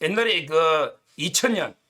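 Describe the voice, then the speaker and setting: Guy on a politics talk show, sharp bright voice, blunt and mocking. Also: fairly high pitch, animated, unhurried. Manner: blunt, scornful, uses coarse insults. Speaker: political commentator.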